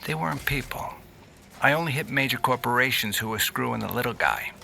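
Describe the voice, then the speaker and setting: A man's voice: medium pitch, fairly quick, gravelly, sharp tone. An actor playing a street-wise, guarded hacker in his thirties, fresh out of prison, in an audio drama with a wry delivery. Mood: guarded, dry. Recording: music behind the voice.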